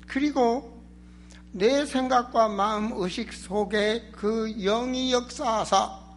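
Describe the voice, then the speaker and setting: A man's voice: high voice, a bit bright, slight background noise. A man preaching a sermon as a pastor, emphatic and exhorting, with rhetorical questions and a strained, sore throat. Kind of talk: sermon in Korean church.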